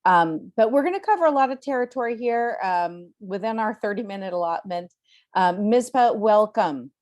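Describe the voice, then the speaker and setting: A woman's voice: medium pitch, animated, moderate pace. A woman hosting a podcast interview, chatty and easygoing, with lots of ums and easy laughs. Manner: warm, chatty, many ums, laughs easily. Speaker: podcast host. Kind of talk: casual interview chat.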